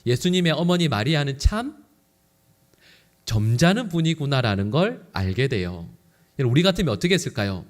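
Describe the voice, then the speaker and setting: Animated male pastor preaching. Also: mid-range voice, a little fast. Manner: addresses the congregation with frequent rhetorical questions; animated, acts out quoted lines. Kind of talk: sermon. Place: church sanctuary.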